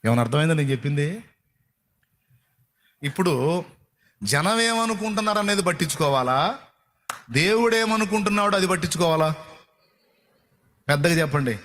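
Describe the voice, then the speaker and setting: A man's voice: on the high side, animated, moderate pace, pauses often, a bit bright, a little hiss or hum. A male pastor preaching a sermon in a colloquial, repetitive style, firing rhetorical questions at his congregation.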